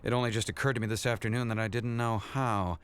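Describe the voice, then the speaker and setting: A man's voice: lowish voice, fairly even intonation, fast talker, fairly bright tone, clear, resonant tone, natural voice. A man voicing an arrogant, aloof genius scientist in a motion comic, smug, precise and condescending. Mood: detached, smug.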